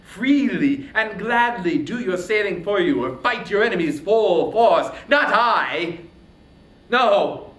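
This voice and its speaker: A man's voice: high-pitched, lively intonation, slow, fairly bright tone, roomy sound, voice pushed up, full character voice. A man voicing a headstrong, furious warrior hero in a dramatic reading of epic poetry, with scornful, indignant, emphatic declamation. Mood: indignant fury.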